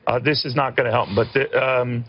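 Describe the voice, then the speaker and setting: A man hosting a TV news interview, talking briskly with joking asides. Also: medium pitch, steady tone, husky. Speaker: TV news host. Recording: dull lo-fi broadcast audio.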